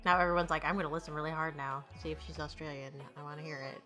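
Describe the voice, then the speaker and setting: A woman's voice: sits low, fairly even intonation, very fast, pushed and bright. A woman giving casual commentary as co-creator of a web series, talking conversationally. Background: background music.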